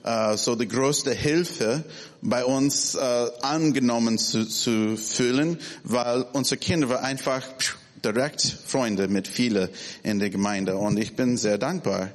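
Non-native man, forties, unhurried and hesitant church talk in a big echoing hall. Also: mid-range voice. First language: not German. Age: 40s. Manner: halting, searching for words, many restarts. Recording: reverberant hall.

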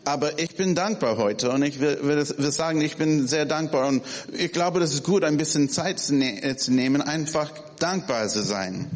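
A man in his forties, not a native German speaker, talking informally to a church gathering, halting and searching for words, with many restarts. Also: on the high side. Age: 40s. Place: church hall. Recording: reverberant hall.

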